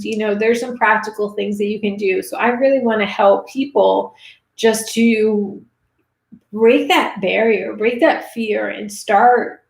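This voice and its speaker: A woman in her thirties chats loosely through a livestream, with plenty of fillers, and her voice is getting raspy. There's a gravelly fry under her mid-pitched talk, and the room gives back a noticeable echo. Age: 30s. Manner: chatty, reads viewer comments, many fillers. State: voice going raspy. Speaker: livestream host answering money questions. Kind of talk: casual livestream chat. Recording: roomy echo.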